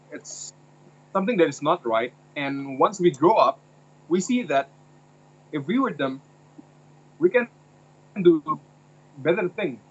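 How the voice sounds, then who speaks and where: A man's voice: on the high side, fairly bright tone, breathy edge. A young man from Indonesia, a university student, talking hesitantly and searching for words in a casual discussion. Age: young adult. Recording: dull lo-fi sound.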